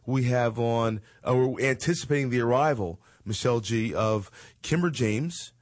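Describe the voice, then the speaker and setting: The clean, echo-free studio sound carries a medium-pitched man in his forties hosting a chat show at normal speed. Loose and joking, he rambles through casual banter, laughing often and leaning on fillers.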